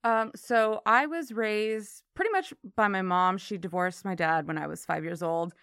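A woman's voice: medium pitch, normal speed, fairly bright tone, clean tone, no room sound, clean studio sound. A woman from Miami in her thirties with an American accent, telling her story casually as an interview guest. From Miami, Florida.

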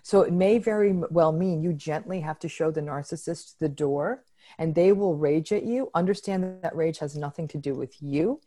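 Woman, low warm voice, expert interview guest, candid and articulate. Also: normal speed. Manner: articulate, frank, lively emphasis. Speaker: psychologist guest. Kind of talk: interview answer.

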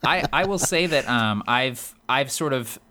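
A man with a high voice, co-hosting a podcast in casual chat, talkative and laughing often with lots of fillers. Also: expressive, unhurried, pushed and bright. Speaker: podcast co-host.

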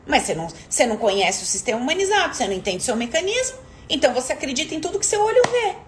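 Woman coach, emphatic and lively in pitch, light background hiss. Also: racing. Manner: emphatic, questions the audience directly. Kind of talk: motivational live stream talk.

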